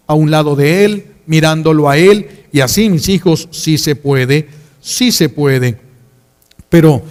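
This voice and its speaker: A Catholic priest, his voice pitched high for a man, preaching a sermon in a pleading, repetitive way full of rhetorical questions. A long reverb trails after his words.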